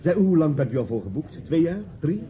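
An actor playing a formal, diplomatic financier in a Dutch radio drama, polite and tactfully hesitant. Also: male voice, a little high, sing-song, a little fast. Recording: muffled radio play recording, crowd murmur.

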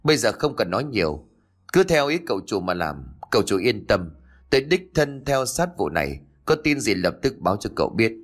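A man's voice: on the low side, very animated, brisk. A man voicing a loyal, stern older company elder pledging support in a spoken story.

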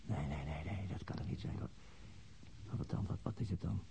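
An actor playing a brooding, weary middle-aged police inspector in a radio play, with terse, probing, self-questioning delivery and a husky voice. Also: male voice, low-pitched, a little fast, dark tone, a little hiss or hum. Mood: anguished, self-doubting. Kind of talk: radio play acting, inner monologue and questioning.

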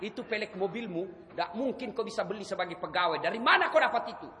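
A man's voice: high voice, lively intonation, fast. Man doing a stern heavenly interrogator. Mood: accusing. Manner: sharp accusing questions. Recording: reverberant hall, faint noise.

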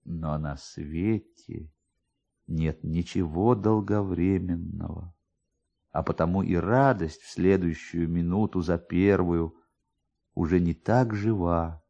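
A man's voice: low voice, steady tone, slow, gravelly, mellow, muffled recording. A man narrating a classic story in a theatrical, dramatised radio reading style.

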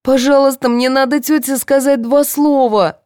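A woman voicing a frantic, shrill young defendant. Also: fairly even intonation, normal speed, darkish tone, no room sound, studio quality, close to an everyday voice. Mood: pleading. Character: desperate young woman defendant, sobbing and pleading. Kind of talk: audiobook character voice.

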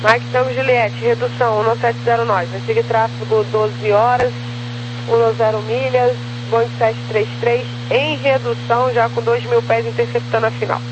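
A woman's voice: a little high, level tone, normal speed. Female air traffic controller on muffled radio. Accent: Brazilian. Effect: radio transmission. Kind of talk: clipped air traffic instructions. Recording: muffled, noisy aviation radio with hum.

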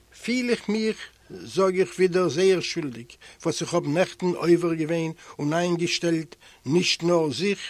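A male native Yiddish speaker reading a first-person literary narration in a measured, earnest way. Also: fairly high pitch, breathy edge, dry recording. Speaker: audiobook reader.

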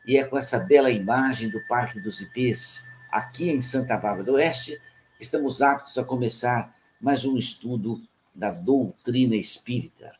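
A man from Brazil hosting a talk program on a remote call, greeting his guests formally and reading a prepared text slowly. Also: mid-range voice, slight background noise. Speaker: host. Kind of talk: radio talk show hosting.

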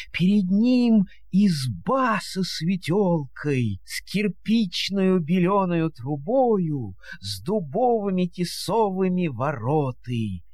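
A man's voice: high-pitched, no echo, studio quality. A man narrating a fairy tale in verse as a storyteller, with a theatrical, singsong delivery.

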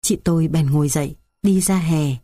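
A woman narrating an audiobook in a steady, measured storytelling manner. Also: deep voice, dry recording, studio quality. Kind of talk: scripted narration.

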